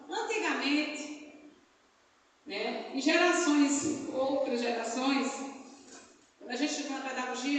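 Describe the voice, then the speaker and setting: Woman, Brazilian accent, missionary preacher, fervent sermon, tag questions, distant mic, faint room noise. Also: sits high. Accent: Brazilian Portuguese. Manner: fervent, peppers speech with "né?" tag questions and praise shouts. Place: church hall during a family service. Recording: echoey church hall, mic far off.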